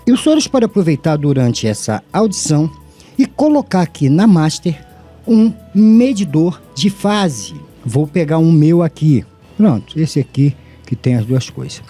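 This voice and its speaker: A man's voice: medium pitch, dark tone, slightly rough. Muffled, lisping middle-aged Brazilian man. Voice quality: tongue-tied lisp, slushy sh for s. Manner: didactic, addresses listeners formally, asks himself questions. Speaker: audio tutorial host. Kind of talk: informal scripted-free audio lesson. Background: background music.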